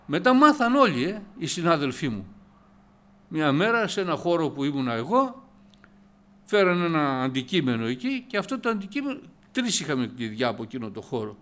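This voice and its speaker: Man, slightly high voice, lively pitch, church testimony speaker, animated and emphatic storyteller. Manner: animated storytelling, acting out quoted dialogue; rises loud and emphatic on key points. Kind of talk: personal conversion testimony.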